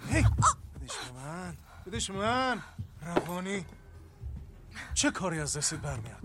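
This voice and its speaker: A man voicing a bullying, hot-tempered young man in a dubbed drama, his voice pitched very high and swinging wildly up and down. He repeats himself as he threatens. A noisy hiss sits under the recording. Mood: threatening.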